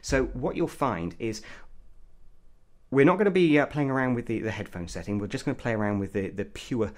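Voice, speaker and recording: A man's voice: medium pitch, lively intonation, a little fast. A man giving an opinionated gadget review as a tech reviewer, putting emphatic stress on key words.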